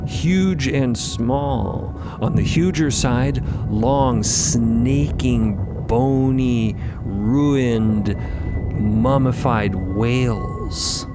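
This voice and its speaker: Unhurried man narrating dark fiction. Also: medium pitch. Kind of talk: dramatic scripted storytelling with banter. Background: loud music.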